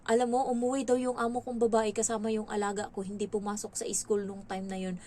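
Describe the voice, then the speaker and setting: A woman from the Philippines working as a domestic helper, telling stories in a casual, animated vlog and acting out what others said. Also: medium pitch, fast talker, slight background noise. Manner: chatty, animated, quotes others in raised voices.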